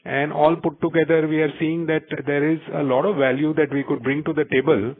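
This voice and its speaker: A man with an Indian accent giving company management remarks on an earnings call, speaking in measured, halting phrases with frequent pauses. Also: on the high side, flat delivery. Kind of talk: earnings call presentation, semi-prepared business remarks. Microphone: telephone conference call. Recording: tinny, narrow-band conference phone line.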